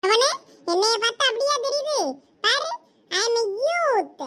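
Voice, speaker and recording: A woman playing a high, bright boastful village lad. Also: normal speed. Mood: cocky. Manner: cheeky, show-off, mock-offended. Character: boastful village young man in a lungi. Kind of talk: comic skit acting.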